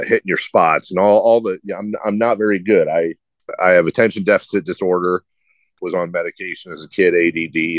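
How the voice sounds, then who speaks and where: This sports radio host is a middle-aged man whose voice sits low, nasal and droning, with a slight lisp. Recorded with no room sound, he gives rambling, self-deprecating answers to interview questions.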